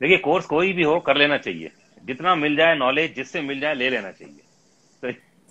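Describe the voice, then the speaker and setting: A man's voice shows vocal fry, big swings in loudness and ordinary pitch variation. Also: fairly high pitch for a man. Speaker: radio jockey. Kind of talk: interview answer, casual talk.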